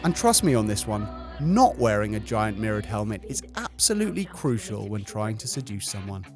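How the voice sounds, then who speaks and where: A man's voice: fairly low pitch, big pitch swings, normal speed. A man reading comic scripted commentary in a wry, sarcastic manner. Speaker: video narrator. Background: light music.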